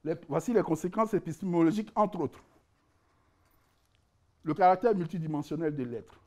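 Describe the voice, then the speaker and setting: A man giving a conference lecture, animated and joking, often repeating words as he searches for the right phrasing. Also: fairly high pitch, moderate pace. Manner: animated, jokes, laughs at own asides. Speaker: conference speaker presenting his book.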